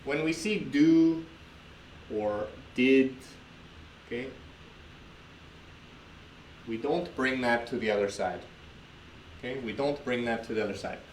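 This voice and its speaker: Homem americano, professor de inglês, explica gramática com paciência, sala com eco, leve ruído. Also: male voice, medium pitch, slow pace, pauses often. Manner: patient, repeats key points with many "okay?" checks. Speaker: English teacher. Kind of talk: explaining grammar at a board. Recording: echoey room with faint noise.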